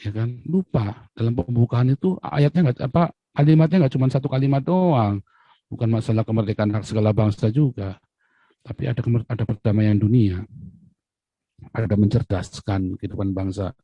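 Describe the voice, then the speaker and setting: A man delivering an angry political rant in Indonesian, repeating himself and swinging between loud outbursts and low muttered asides. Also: normal speed, no echo, muffled recording. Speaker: political commentator. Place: abroad, talking to camera.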